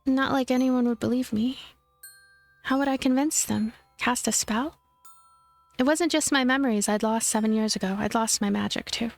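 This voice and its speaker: A woman let's player reading a visual novel aloud in expressive narration, with game music behind her. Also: fairly high pitch, normal speed, vocal fry.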